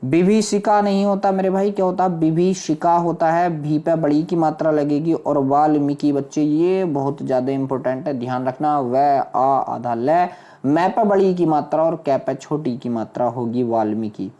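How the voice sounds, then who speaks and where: A woman teaching a spelling lesson for exam prep, drilling each word and quizzing students with quick rhetorical questions. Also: sits low, dark tone.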